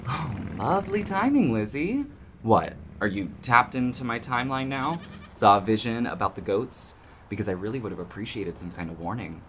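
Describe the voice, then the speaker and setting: A performer playing a gentle, exasperated young barista cryptid in an audio drama, with mild exclamations and a wry, chatty manner. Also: medium pitch, lively intonation, normal speed, slight background noise, close to an everyday voice.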